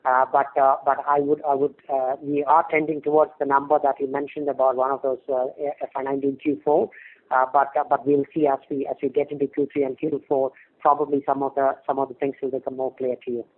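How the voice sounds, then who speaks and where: A man's voice: mid-range voice, level tone, fast. A male company executive answering investors on an earnings call, explaining hesitantly and repeating words over a phone line. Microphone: phone conference call. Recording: narrow, tinny conference phone line.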